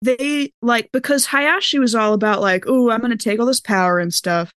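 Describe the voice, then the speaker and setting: A woman playing a tabletop role-playing game, chatting casually and in an animated, interjecting way. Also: on the high side, moderate pace, clear, resonant tone, no echo, studio quality. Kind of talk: casual improvised in-character game chat.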